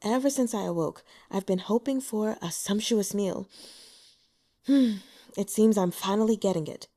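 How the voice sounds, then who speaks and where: A woman voicing a frail, sickly male abbot who speaks coolly and softly in a storybook reading. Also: mid-range voice, moderate pace, natural voice. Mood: dry.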